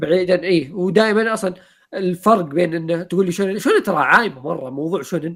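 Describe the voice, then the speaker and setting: Here a man talks with a high voice and lively intonation. His speed is moderate. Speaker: podcast co-host. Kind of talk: casual chat.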